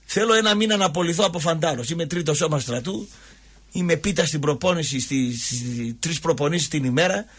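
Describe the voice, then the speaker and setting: Husky rowdy man in his fifties. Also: fairly high pitch, lively intonation, a bit bright. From Thessaloniki, Greece. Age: 50s. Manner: rowdy, slangy, acts out fights with sound effects. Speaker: sports radio host. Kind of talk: boisterous storytelling chat.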